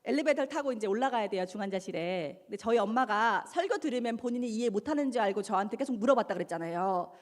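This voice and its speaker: A woman's voice: fairly high pitch, lively intonation, quick pace, few pauses. A woman giving an emotional testimony talk to a church congregation, acting out the dialogue she tells of. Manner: storytelling, acts out quoted dialogue, emotional swings. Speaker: guest speaker in church. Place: church sanctuary. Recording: long hall reverb in church.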